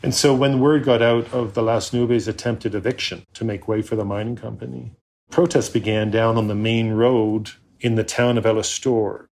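A man's voice: fairly low pitch, flat delivery, normal speed, darkish tone. A man in an interview, describing and explaining in a conversational way.

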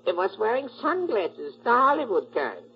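A woman playing an excitable, fussy shopkeeper with clipped, broken English in 1940s radio acting style. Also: mid-range voice, normal speed. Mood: anxious, emphatic. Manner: clipped, emphatic, immigrant-style broken grammar. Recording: muffled old radio recording.

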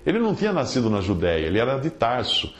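Animated preacher in a roomy space. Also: male voice, medium pitch, fast. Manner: animated, teasing, reads scripture aloud. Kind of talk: podcast sermon.

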